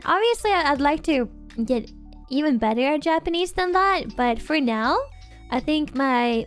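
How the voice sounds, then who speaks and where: Young female streamer, high and bright voice, chatty and giggly, close-miked, faint music behind. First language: Norwegian. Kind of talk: casual livestream chat.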